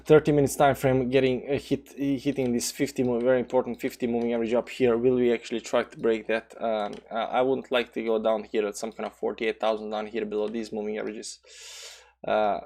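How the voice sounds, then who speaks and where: A mellow, mid-range male voice with little pitch movement moves at a fairly quick clip. The speaker, a Balkan-accented man, streams crypto charts with casual live commentary, rambling with many fillers and restarts while reading chat aloud and replying.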